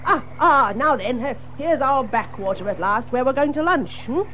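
High-voiced friendly riverbank water rat, hearty, hesitant and exclamatory, very animated, children's audio drama, faint background noise. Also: female voice, moderate pace, poor audio. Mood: confiding.

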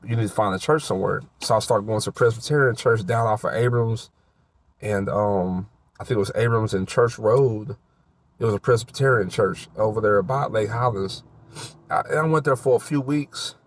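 A man giving his spoken Christian testimony outdoors in a park. He is teary, his voice a little mushy, and he speaks in a halting, rambling way, searching for words. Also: fairly low pitch. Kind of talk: emotional spoken testimony to camera.

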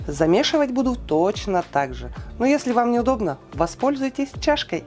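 A woman giving a calm, precise step-by-step cooking voice-over, listing weights and steps, with soft music behind her. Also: fairly high pitch, moderate pace. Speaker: cooking channel host.

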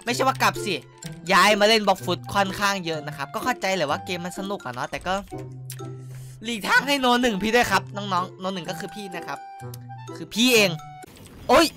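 A young man giving excitable, loud gameplay commentary, cursing and yelling at opponents, his throat sore from shouting. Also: high voice. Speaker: gaming YouTuber. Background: game music.

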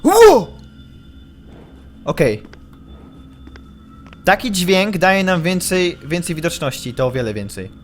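A young man commenting on a horror game he is playing, excitable, yelping when startled and muttering while he sneaks. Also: on the high side, a little slow, long pauses, faint music behind. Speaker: gaming YouTuber.

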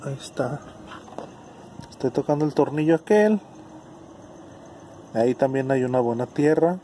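A man's voice: mid-range voice, expressive, unhurried, dark tone, slight background noise. A man giving a casual, hands-on car repair lesson under the hood, thinking aloud with restarts. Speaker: car electronics tutor.

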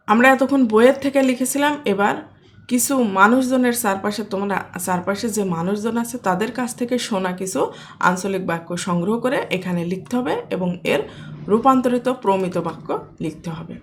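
A woman teacher explaining textbook exercises step by step, reading the instructions aloud and then paraphrasing them. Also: mid-range voice. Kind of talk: screen-recorded lesson.

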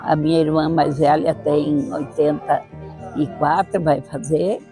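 A woman's voice: low-pitched, level tone, measured pace, music in the background. An eighty-year-old woman with a southern Brazilian accent and Italian as her first language, reminiscing in an interview on a lapel mic. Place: outdoor terrace. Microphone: clip-on lapel mic.

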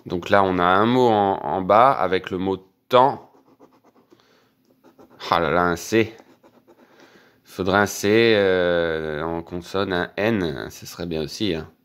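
A man, quietly commenting as he scratches lottery tickets for his channel. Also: deep voice, takes it slowly, long pauses, clean tone. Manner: quiet running commentary, excited when winning. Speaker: scratch-card vlogger.

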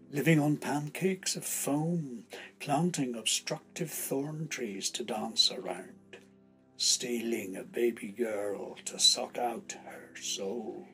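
An actor with a Northern Irish accent playing a brooding teller of dark fairy lore in an audio drama, deliberate and ominous, with music behind. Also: male voice, mid-range voice. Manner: deliberate, ominous, dropping to a whisper. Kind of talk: literary audio drama narration. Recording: music under the voice.

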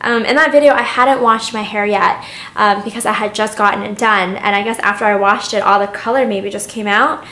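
A woman's voice: mid-range voice, fairly even intonation, a little fast, sharp tone, roomy sound. A young woman chatting candidly while doing her makeup at home, rambling and open about her feelings. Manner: rambling and candid, getting emotional at times. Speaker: beauty vlogger. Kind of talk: chatty get-ready-with-me vlog.

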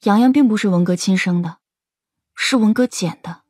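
A woman's voice: medium pitch, normal speed, a little mellow, no echo, natural voice. A woman playing a candid, observant teenage shopgirl in an audio drama. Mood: earnest. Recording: music behind the voice.

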